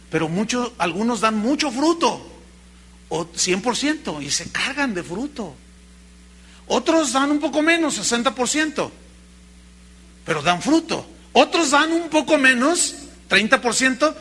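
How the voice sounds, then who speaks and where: A man with a Mexican accent preaching a sermon, telling stories in an animated way and calling his listeners brother. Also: high voice, husky. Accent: Mexican Spanish. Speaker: pastor.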